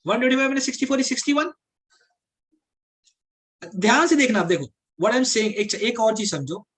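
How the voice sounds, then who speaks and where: Rapid-fire and fairly bright, this very high-pitched male voice has lively intonation. The South Asian-accented aptitude teacher breaks the lesson into steps, goes over points again, mixes English and Hindi, and regularly asks questions to test comprehension.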